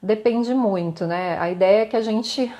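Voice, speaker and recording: A woman's voice: medium pitch, a little slow, warm tone. A woman with a Brazilian Portuguese accent gives a live-streamed lesson, explaining in a conversational way, tagging her points with little questions and light laughs, and answering viewer comments. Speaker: communication instructor.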